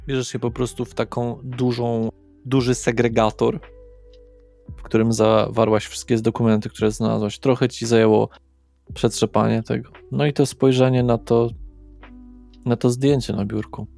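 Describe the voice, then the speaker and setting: Evenly pitched man with gravelly creak. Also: little pitch movement, normal speed, dark tone. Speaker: game master. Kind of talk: improvised narration of a tabletop horror RPG. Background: background music.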